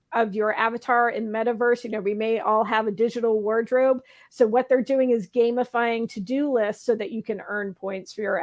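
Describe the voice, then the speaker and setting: A woman hosts a casual panel chat with a slightly hoarse, somewhat high voice. She is chatty and laughs often. She keeps throwing rhetorical questions out to the panel. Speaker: talk show host.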